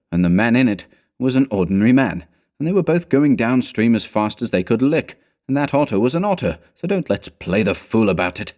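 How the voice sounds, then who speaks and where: A man's voice: lowish voice, darkish tone. A man voicing a nervous, stubbornly rational adventurer in a storybook, dismissive and impatient. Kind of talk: storybook character dialogue.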